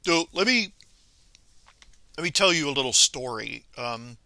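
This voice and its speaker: A man from Venezuela speaking a political monologue to viewers, halting with many pauses and restarts, then scolding emphatically. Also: fairly high pitch, expressive, pushed and bright, no room sound. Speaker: commentator.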